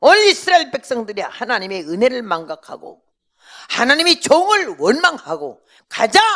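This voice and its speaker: Speaking at a fairly slow pace, a woman with a high pitch lets it swing very widely. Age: 80s+. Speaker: missionary. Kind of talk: sermon testimony. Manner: animated.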